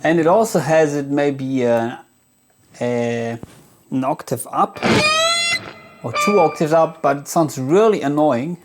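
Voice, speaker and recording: Halting man giving a casual gear demo. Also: a little high, over music. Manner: hesitant, halting, thinking aloud. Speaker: guitar gear reviewer. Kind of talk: casual product demo talk.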